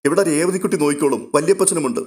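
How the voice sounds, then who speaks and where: A man voicing an anxious, tearful young woman in an audio story, pleading softly. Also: on the high side, racing, close to an everyday voice. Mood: worried.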